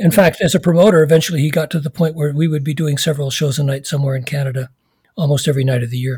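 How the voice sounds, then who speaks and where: The man's voice is fairly high in pitch, somewhat breathy, and dark and mellow in tone. He talks at a very fast pace with ordinary pitch variation. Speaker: author and former tour manager. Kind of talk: interview.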